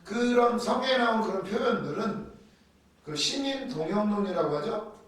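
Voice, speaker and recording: A man preaching a sermon, telling Bible stories in a lively way and acting out the quotes. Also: high voice, normal speed. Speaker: pastor. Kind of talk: sermon teaching on doctrine. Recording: echoey hall from far off.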